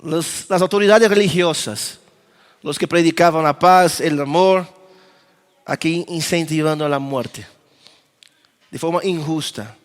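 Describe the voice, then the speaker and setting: A man preaching a conference sermon as pastor, with dramatic pauses and moments of acting out dialogue. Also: a little high. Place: church auditorium. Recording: long reverb of a church hall.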